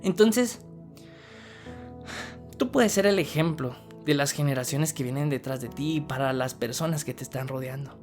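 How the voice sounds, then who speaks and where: A woman's voice: very deep voice, moderate pace, a little mellow, faint music behind. A woman with a Guatemalan Spanish accent gives a motivational sermon, speaking earnestly and directly to the listener with rhetorical questions. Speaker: preacher.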